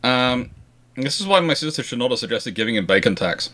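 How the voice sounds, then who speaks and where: A man's voice: mid-range voice, big pitch swings, brisk, bright, forceful tone. A man hosting a casual history question-and-answer chat, rambling and often circling back to rephrase himself. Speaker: host answering viewer questions.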